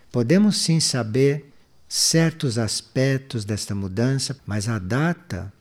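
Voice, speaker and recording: Brazilian man giving a measured spiritual talk. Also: medium pitch, a little mellow. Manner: measured, didactic, explanatory. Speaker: spiritual teacher. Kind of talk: spiritual talk answering audience questions.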